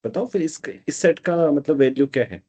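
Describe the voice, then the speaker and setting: A man's voice: on the high side, animated, a little fast, a little mellow. A man teaching a live online math class, explaining step by step and often checking that students follow. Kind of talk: live online math lecture, Hindi-English mix.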